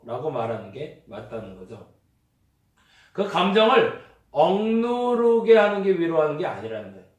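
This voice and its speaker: A man's voice: on the high side, a little mellow. A male pastor preaching a conversational sermon, acting out everyday remarks as he goes. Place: church sanctuary. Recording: echoey church hall, mic at a distance.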